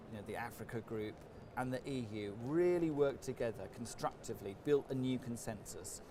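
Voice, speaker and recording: With noticeable background noise, a man speaks at a medium pitch and moderate pace, using ordinary pitch variation. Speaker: government minister. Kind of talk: interview answer. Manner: hesitant, filler-heavy.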